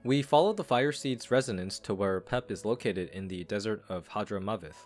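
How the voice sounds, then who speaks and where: A man's voice: on the low side, brisk, faint music behind. A man giving scripted video commentary as he reviews and analyses a game's story. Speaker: game reviewer and lore commentator.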